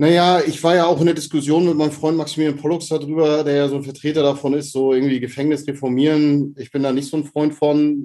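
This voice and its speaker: The man talks at a very fast pace. His tone is dark and mellow, his intonation flat and monotone. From northern Germany, Lübeck. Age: 40s. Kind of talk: interview. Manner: hesitant, many fillers.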